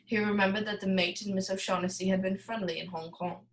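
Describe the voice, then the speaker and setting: A woman's voice: mid-range voice, fairly even intonation, fast, natural voice. A woman playing a genteel, scheming male crime boss with pompous, formal, theatrical speech in a noir radio play. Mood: measured, explanatory.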